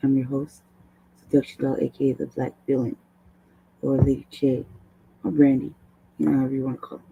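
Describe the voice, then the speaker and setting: Woman host, hoarse low voice, gravelly, rambling casual chat, swears, desk mic. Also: flat delivery, brisk, phone-quality sound, a little hiss or hum. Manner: rambling, laughs often, swears. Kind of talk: casual livestream talk.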